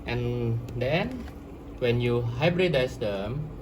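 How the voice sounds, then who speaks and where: A man with an Indonesian accent, a native Indonesian speaker, hosting an instructional vlog, explaining slowly and sometimes searching for words. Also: mid-range voice, lively intonation, darkish tone, slight background noise. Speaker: plant grower and channel host.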